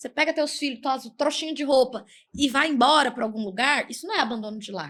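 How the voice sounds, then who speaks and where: The speaker is a woman with a high voice. She talks fairly quickly. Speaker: lawyer. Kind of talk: podcast interview.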